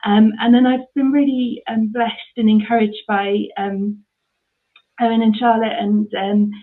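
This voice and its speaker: Over a thin, phone-like connection, a mid Devon woman in her thirties talks about her charity ministry work in an interview, stumbling with ums and restarts. She sounds slightly high-pitched, flat and unhurried.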